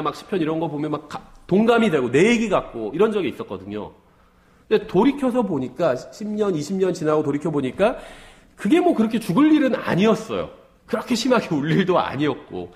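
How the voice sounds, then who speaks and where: Lively Korean pastor preaching a sermon. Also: male voice, a little high. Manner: conversational preaching with frequent rhetorical questions; acts out worried voices of believers.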